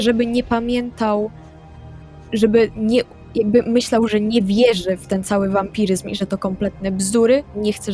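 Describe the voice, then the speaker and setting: A woman's voice: mid-range voice, darkish tone. Female tabletop player over faint music. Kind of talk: explaining moves in a tabletop game.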